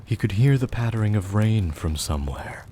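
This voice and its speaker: A man narrating a scripted audio drama in a measured storytelling manner. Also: on the low side, expressive, mellow, natural voice. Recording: faint background noise.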